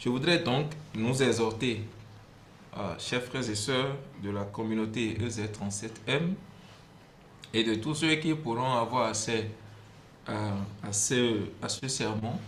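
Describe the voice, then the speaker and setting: In a room with audible echo, a man with a Beninese accent talks very slowly at medium pitch, somewhat breathy, with ordinary pitch variation and long, frequent pauses. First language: Fon (speaking French). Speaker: church elder, preacher. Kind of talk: sermon. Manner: formal.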